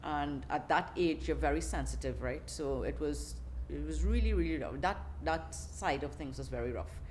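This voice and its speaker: A woman's voice: low-pitched, moderate pace, a little mellow, a little hiss or hum. A middle-aged woman with a Trinidadian accent, telling her life story in a casual podcast interview, chatty, with frequent laughs and restarts. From Trinidad and Tobago. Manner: chatty, laughs often, many fillers and restarts. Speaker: podcast guest.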